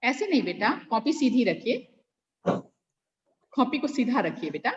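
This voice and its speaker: A woman's voice: a little high, very animated, unhurried, lo-fi sound. An Indian woman teacher running an online class, patiently correcting pupils and calling them by name. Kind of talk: online class checking homework. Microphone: video call.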